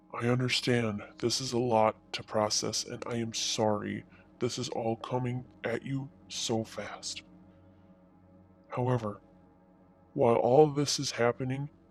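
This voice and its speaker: Using a put-on character voice at medium pitch, a man speaks at a fairly slow pace with long, frequent pauses. Faint music plays in the background. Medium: read story. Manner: calm, soothing.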